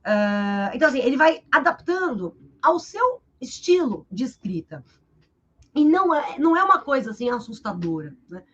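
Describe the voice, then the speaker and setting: A woman teacher with a Brazilian Portuguese accent, explaining literature in a live interview over a video call, in a lively, explanatory way that keeps checking in with her listener. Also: high-pitched, moderate pace, muffled recording. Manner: lively and explanatory, tags sentences with "né?".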